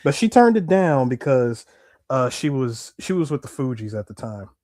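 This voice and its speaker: A man's voice: medium pitch, sing-song, moderate pace, a little mellow, dry recording, studio quality. A man on a podcast panel, telling a story in casual chat with playful, theatrical flourishes.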